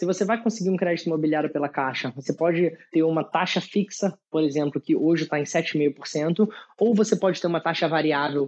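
A man's fairly high voice in a Carioca accent, fairly quick with hardly any pauses, ordinary pitch variation, and a dry, close sound with no echo. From Rio de Janeiro, Brazil. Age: young. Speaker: startup founder and CEO. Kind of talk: interview.

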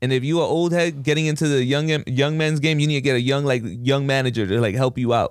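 A man with an American accent at a very fast pace, hardly any pauses and very even loudness. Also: fairly high pitch for a man, ordinary pitch variation. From New Jersey, US. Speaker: podcast host. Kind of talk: casual chat.

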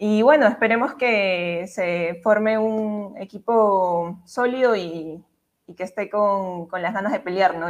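Her pitch is medium with ordinary pitch variation, an unremarkable speaking voice from a woman. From Lima, Peru. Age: 20s. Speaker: medical student and football panelist. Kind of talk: casual chat.

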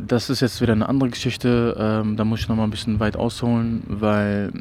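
This man talks at a moderate pace. His pitch is medium. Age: 20s. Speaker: fitness coach and sports student. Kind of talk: casual interview. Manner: hesitant, many filler sounds.

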